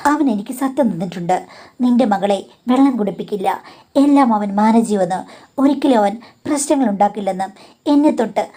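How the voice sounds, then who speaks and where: A woman's voice: medium pitch, animated, fairly quick, warm tone, lightly acted. A woman voicing an older woman in the family who pleads urgently to keep a secret, in a near-everyday voice. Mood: pleading.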